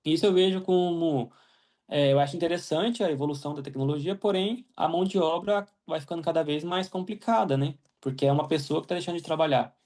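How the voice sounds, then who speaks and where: A man's voice: fairly high pitch, fast talker, a little mellow. A young Brazilian man from Mato Grosso, answering interview questions casually with lots of "né?" tags and restarts. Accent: Brazilian Portuguese. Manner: many fillers and "né?" tags, restarts. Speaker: guest, agronomist living in Ireland.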